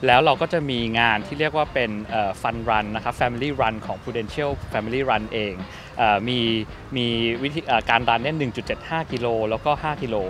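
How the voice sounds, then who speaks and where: Measured middle-aged man, polite filler-laden speech. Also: medium pitch, fairly bright tone, slight background noise. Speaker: company representative. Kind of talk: formal press interview. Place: outdoor park at an event. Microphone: press microphones held close.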